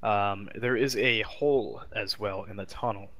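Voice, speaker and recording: A man narrating a tabletop role-playing game as game master, improvising haltingly as he searches for words. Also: fairly low pitch, fairly even intonation, a bit bright, muffled recording.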